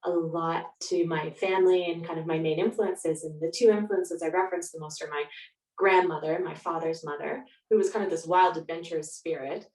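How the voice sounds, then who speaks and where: Echoey, distant Canadian woman, lower-pitched. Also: fairly even intonation, brisk, darkish tone. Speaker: author guest. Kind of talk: reflective conversational interview. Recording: echoey room, distant from mic.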